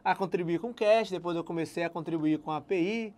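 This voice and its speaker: A young man from Salvador with a Bahian accent, a guest telling his career story in relaxed casual chat and laughing at himself. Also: high-pitched, fairly quick. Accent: Bahian Brazilian Portuguese. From Salvador, Brazil. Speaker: guest software engineer.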